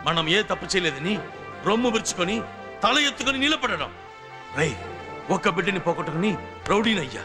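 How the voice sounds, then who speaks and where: An actor playing an emotional reformed gang elder and bereaved father in a film drama, speaking in an impassioned, dramatic way. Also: a little high. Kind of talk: Telugu action film drama acting. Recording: film soundtrack with music behind.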